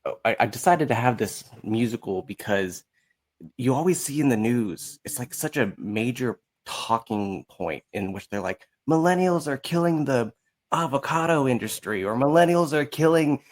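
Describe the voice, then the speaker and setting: A man in his thirties, a musical writer guesting on a podcast, chats casually in an expressive mid-range voice at normal speed. He rambles and often acts out dialogue, quoting himself and others.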